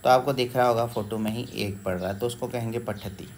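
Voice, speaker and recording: A man teaching a school Sanskrit lesson, patiently repeating words slowly and checking in with his listeners. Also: mid-range voice, steady tone, slight background noise. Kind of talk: explaining a school textbook lesson.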